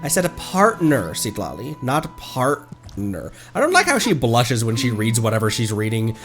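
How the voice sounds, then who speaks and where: Very animated man streaming, wry asides. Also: mid-range voice, normal speed, faint music behind. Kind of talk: casual reaction commentary on a game stream.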